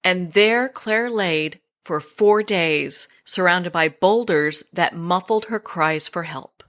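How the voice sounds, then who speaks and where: A woman's voice: fairly low pitch, slow pace, a bit bright. A woman hosting a talk show, introducing and interviewing her guest. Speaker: host.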